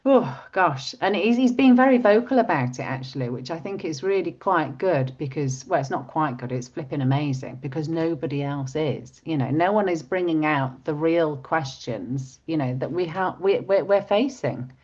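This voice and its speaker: A woman's voice: deep voice, lively intonation, normal speed, hardly any pauses, darkish tone. A woman whose first language is not English, chatting casually as co-host, with a frog in her throat and many restarts. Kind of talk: casual chat. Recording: dull lo-fi sound.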